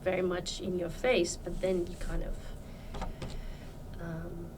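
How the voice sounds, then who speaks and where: A woman's voice: on the low side, flat delivery, slow, far from the mic, noisy background. A woman from Iran, a podcast guest, talking about her life in a thoughtful, hesitant way with many fillers. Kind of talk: casual interview chat.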